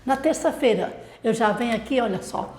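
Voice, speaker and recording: Brief: Brazilian woman teacher, higher voice, talks teachers through a method with rhetorical questions, echoey room. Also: expressive, normal speed, darkish tone. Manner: explanatory, with rhetorical questions to the audience. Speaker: literacy teacher.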